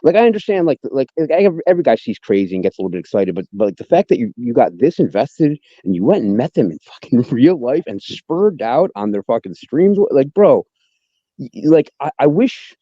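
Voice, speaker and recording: A man's voice: medium pitch, big pitch swings, a little fast, mellow, no room sound, lo-fi sound. A man in casual chat who talks emphatically, often repeating and stammering over his words. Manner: emphatic, repetitive, stammering appeals.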